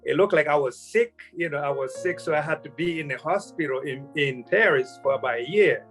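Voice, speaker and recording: A man in his sixties, born in Vietnam, telling his life story as an interview guest in a halting way that often restarts phrases. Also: a little high, a bit bright, soft background music. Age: 60s.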